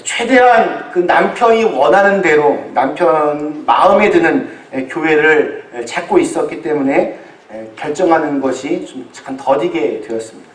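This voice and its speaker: A man preaching a sermon as a pastor to a congregation, telling it in deliberate phrases with pauses. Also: fairly high pitch, animated. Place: large echoey room, church service. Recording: echoey hall, distant microphone.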